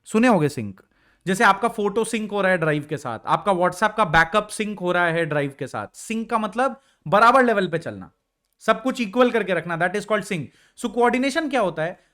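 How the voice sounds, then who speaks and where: Young man, high voice, teacher, casual revision lecture, asks questions often. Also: animated, normal speed, bright, forceful tone. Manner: casual explaining, mixing Hindi and English, asks students questions.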